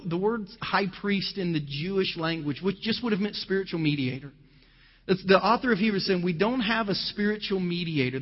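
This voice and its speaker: A man from Ohio preaching a sermon as pastor, mixing scripture reading with conversational personal stories. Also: on the high side. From Ohio, USA. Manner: conversational storytelling with scripture quotes. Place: church. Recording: dull lo-fi sound with long hall reverb.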